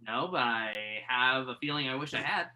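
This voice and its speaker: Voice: medium pitch, moderate pace, bright, forceful tone, slight background noise. An actor playing a skeptical, wry journalist in a play reading, argumentative and questioning. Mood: skeptical, curious. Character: skeptical, wry entertainment journalist debating music. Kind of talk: conversational dramatic play reading. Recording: virtual reading over internet call.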